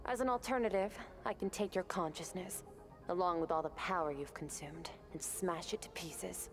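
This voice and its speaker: An actress playing a stern, resolute young female warrior in a fantasy video game, composed and deliberate in her phrasing. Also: fairly low pitch, over music, lightly acted. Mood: stern, calm. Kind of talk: scripted video game voice acting.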